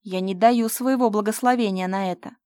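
A woman's voice: mid-range voice, brisk, a little mellow, no echo, studio quality, lightly acted. A woman voicing a young mother, indignant at first, then weak and whispering tenderly.

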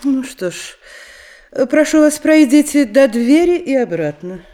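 An actress playing an imperious older Russian noblewoman in an audio drama, condescending, with hesitant drawn-out phrases. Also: high-pitched, lively intonation, warm tone. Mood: patronising, probing. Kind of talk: theatrical audio drama acting.

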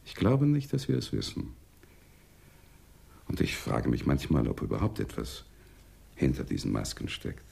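An actor playing a polite, evasive Arab businessman in a radio drama, speaking in a measured, musing, formal way. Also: extremely low pitch, wildly swooping pitch, gravelly, dark tone, breathy edge, full character voice. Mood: musing, philosophical.

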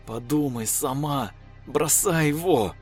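A man voicing a desperate young man who pleads and shouts in grief, pitched above his own voice. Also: slow pace, faint music behind. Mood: persuading.

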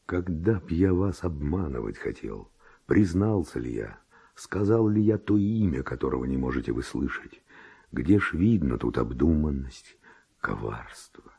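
An actor playing a passionate, pleading seducer in a radio verse drama, with slow declamatory delivery. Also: male voice, very deep voice, sing-song, creaky, darkish tone, husky, heavily acted. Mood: seductive, pleading. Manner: slow, declamatory, rhetorical courting. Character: Don Juan, passionate male seducer, ardent and pleading. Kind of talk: classic Russian radio drama acting of verse.

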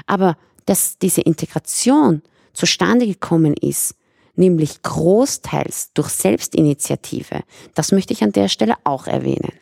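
A woman's voice: lowish voice, lively intonation, measured pace, creaky, darkish tone, no room sound, studio quality. A young woman from Iran, a guest in a conversational interview, explaining at length with restarts.

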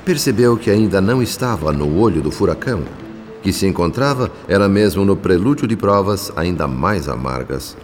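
A man playing a devout spirit narrator in a radio drama, solemn, theatrical and measured. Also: fairly low pitch. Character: devout male spirit narrating his visits in the afterlife. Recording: long reverb, music underneath.

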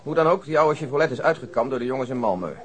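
A man's voice: mid-range voice, lively intonation, rapid-fire, lightly acted. A man playing a businesslike police detective in a radio play, briefing in an orderly, factual way and keeping to the point. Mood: dry, factual. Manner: matter-of-fact, orderly briefing.

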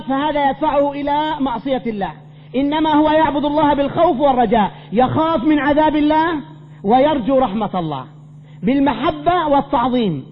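A man, a sheikh teaching a creed class, insistently quizzing his students and repeating emphatic phrases. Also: very high-pitched. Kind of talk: classroom religious lesson. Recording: reverberant hall, dull lo-fi, faint hum.

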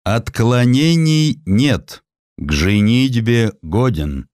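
A man's voice: mid-range voice, sing-song, extremely slow, darkish tone, dry recording, pitched above the performer's own voice. A man voicing a stern, eccentric medical professor in an audiobook, curt, commanding and businesslike.

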